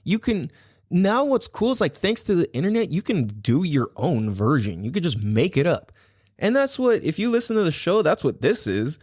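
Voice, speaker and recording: A man's voice: on the high side, big pitch swings, normal speed, a little mellow, no echo, studio quality. A young adult man hosting a podcast, telling a rambling, profane story in a casual solo style. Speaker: podcast host.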